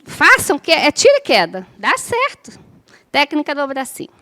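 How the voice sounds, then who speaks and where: A middle-aged woman teaches a class in a relaxed, conversational manner. Her voice sits high and bright, and she keeps checking in with her listeners through tag questions. She scatters joking asides through the lesson. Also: moderate pace. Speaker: spiritist course teacher. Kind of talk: informal lecture to a class.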